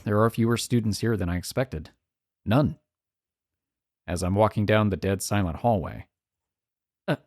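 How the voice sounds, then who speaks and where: A woman's voice: extremely low pitch, darkish tone, husky, dry recording, clean studio sound. A woman reading visual novel text aloud as a let's player, slipping in casual, wry, joking asides.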